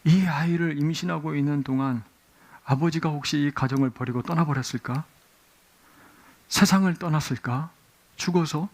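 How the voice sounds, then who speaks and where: A man's voice: fairly high pitch, moderate pace, long pauses. A man preaching a sermon as pastor, telling stories and acting out the voices of people in them. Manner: storytelling, acting out voices in quotes. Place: church sanctuary.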